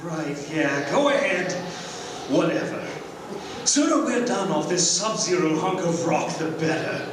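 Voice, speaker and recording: A man's voice: on the high side, animated, measured pace. A man playing a weary, sardonic villainous robot general, theatrical and drawling, in a live script reading. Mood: exasperated. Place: live convention stage in a hall. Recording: echoey hall, distant, clearly noisy.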